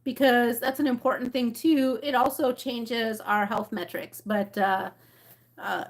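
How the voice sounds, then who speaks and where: A woman's voice: fairly high pitch, steady tone, unhurried. A woman from Mexico and the rural Southwest hosting a casual livestream, chatty and informal as she thinks aloud. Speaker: livestream host. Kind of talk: casual livestream chat, reading labels aloud and replying to viewers.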